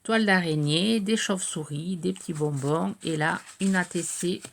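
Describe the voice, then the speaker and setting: Low, gravelly-voiced woman showing crafts. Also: moderate pace, slight background noise. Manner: hesitant, many "euh" fillers, chatty. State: voice cracking a little. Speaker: craft video host. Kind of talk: casual show-and-tell of mail.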